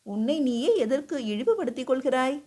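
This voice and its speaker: A woman's voice: high-pitched, lively intonation, normal speed, mellow. A woman voicing a stern, exasperated male emperor who scolds his wife with incredulous questions, in an audiobook reading. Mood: scolding. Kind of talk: audiobook character voice.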